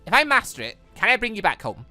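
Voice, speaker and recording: A let's player voicing an excitable, earnest teenage girl heroine from a visual novel, gushing and eager. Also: medium pitch, quick pace, faint music behind, voice pushed up, full character voice.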